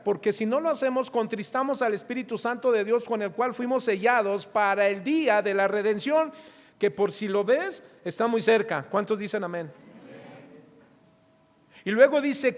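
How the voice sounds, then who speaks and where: A middle-aged Mexican man preaching a sermon as pastor, asking the congregation questions and acting out little scenes from family life. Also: high voice. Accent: Mexican Spanish. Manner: preaching with rhetorical questions and acted-out anecdotes. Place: church hall. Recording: reverberant church hall.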